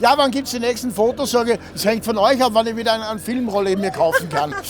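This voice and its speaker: With music in the background, a man speaks at a fairly quick pace in a high pitch with ordinary variation. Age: 60s. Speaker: amateur racing driver. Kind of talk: casual interview. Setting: outdoors at race track. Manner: halting, many fillers.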